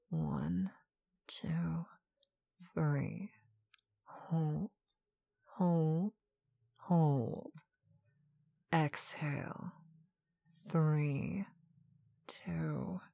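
Slow whispering commanding woman, dry close sound. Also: sits low, creaky, a little mellow, no room sound. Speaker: hypnosis audio narrator. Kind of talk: whispered ASMR hypnosis roleplay.

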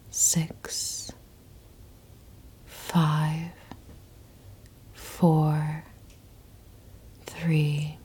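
A woman whispers throughout, her voice airy and breathy with almost no tone behind it. She speaks very slowly and keeps her pitch low and nearly flat. Her sound is soft and dark, suited to a hushed ASMR roleplay. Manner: slow, hushed, intimate whispering. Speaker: audio performer.

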